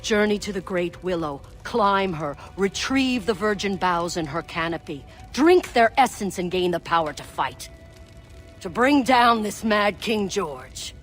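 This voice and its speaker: A stern elder tribal woman from a dramatic video game played by an actress. She guides with solemn, deliberate authority and urgency. Music plays faintly behind her. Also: mid-range voice, lively intonation, close to an everyday voice. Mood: solemn, commanding. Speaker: game character giving guidance.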